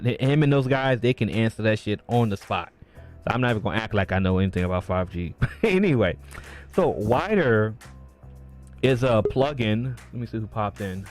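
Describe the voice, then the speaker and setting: A man's voice: on the low side, a little mellow. A man hosting a late-night live stream, chatting loosely about his streaming gear and answering viewers from the chat. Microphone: streaming mic with audio filters.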